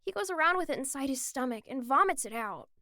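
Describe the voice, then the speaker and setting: A little childlike mage, gentle and devoted, speaks in a very high, bright voice. The phrasing is simple and hesitant, with an anxious, dreamy innocence. It is a dry audio drama recording. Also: female voice, expressive, fast, no echo. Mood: worried, sad. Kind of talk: fan fiction audio drama acting.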